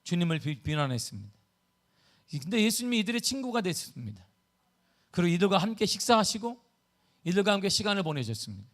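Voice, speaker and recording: Animated high-voiced Korean-church pastor. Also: male voice, fast, long pauses. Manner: animated storytelling with sudden loud and soft swings. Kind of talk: sermon.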